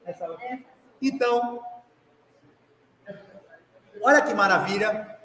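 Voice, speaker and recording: A Brazilian man giving a live spiritist lecture, lively and joking, who talks straight to his listeners and acts out the parents he quotes. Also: sits high, unhurried. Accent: Brazilian Portuguese. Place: spiritist center hall. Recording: echoey hall recording with light background noise.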